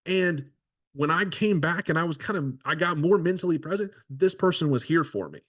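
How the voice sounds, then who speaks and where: A man's voice: on the high side, lively intonation, moderate pace, a bit bright, pitched above the performer's own voice. A man voicing a horse finding trust. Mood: relieved.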